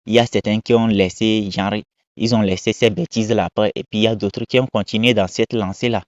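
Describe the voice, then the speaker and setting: Homme à la voix grave, commentaire moralisateur et insistant, son terne et sec. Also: male voice, on the low side, fairly even intonation, quick pace, no echo. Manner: emphatic, repetitive, moralizing. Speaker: commentator reacting to viral videos. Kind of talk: casual spoken commentary. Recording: dull lo-fi dry sound.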